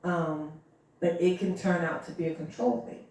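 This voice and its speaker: A woman's voice: lowish voice, normal speed, darkish tone. Earnest woman in an echoey room. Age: 30s. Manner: earnest, repeats phrases, many fillers. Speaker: podcast co-host. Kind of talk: casual chat. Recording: very echoey room, far from the mic.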